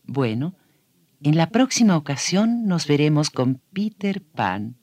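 A man's voice: on the high side, big pitch swings, slow, a little mellow, no echo. A man telling a story on a children's radio show, speaking expressively and addressing young listeners directly.

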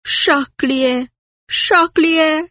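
A woman's voice: high voice, animated, moderate pace, no echo, studio quality. A woman voicing a fussy, weepy older aunt in a storybook reading, with a fretful, tearful manner.

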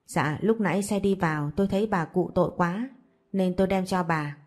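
A woman voicing a kind, caring young woman who speaks in a gentle, coaxing way. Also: fairly low pitch, fairly quick, close to an everyday voice.

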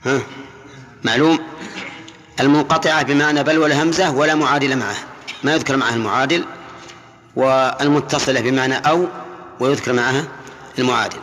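An older man with a Saudi Arabic accent teaching a classroom lesson, quizzing students by name in a brisk, probing way. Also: medium pitch, steady tone, fairly bright tone. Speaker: sheikh teaching Quran exegesis. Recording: long hall reverb.

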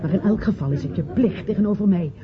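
An actress playing an aggrieved, sharp-tongued, demanding woman in a Dutch radio play. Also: mid-range voice, quick pace, heavy background noise, natural voice. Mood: indignant, bitter. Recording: muffled old radio play, people murmuring behind.

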